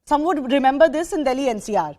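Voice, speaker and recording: A woman news anchor moderating a televised debate, brisk and cutting in to keep control. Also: high-pitched, lively intonation, darkish tone. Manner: brisk, cuts in to control speakers.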